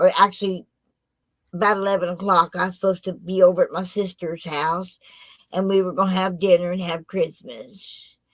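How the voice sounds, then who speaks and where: A woman speaks at a moderate pace in a medium-pitched voice. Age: 60s. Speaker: livestreamer. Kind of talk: casual livestream chat. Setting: livestream from home. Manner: rambling, chatty, halting.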